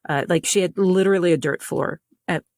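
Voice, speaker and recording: A woman with a Southern US accent sits for a relaxed interview, speaking in a lowish voice. She thinks aloud in long, winding sentences. Her sound is close and dry, with no room in it. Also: a little fast, no echo. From North Carolina, US South. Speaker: guest author. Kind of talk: casual interview chat.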